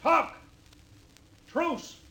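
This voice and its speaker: An actor playing a reasonable, steady space captain with a measured, earnest, terse delivery in 1950s radio drama style. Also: male voice. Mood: calling out. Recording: noisy vintage 1950 radio recording.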